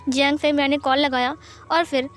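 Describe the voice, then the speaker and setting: A woman's voice: high-pitched, steady tone, fast, faint music behind. A woman narrating a fan fiction story as a plain retelling.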